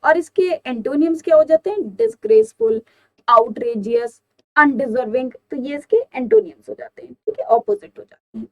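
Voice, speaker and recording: High-voiced woman teaching vocabulary. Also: very animated, dull audio. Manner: explains step by step, asks and answers her own questions; reads English example sentences slowly and deliberately. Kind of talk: exam-prep vocabulary lesson.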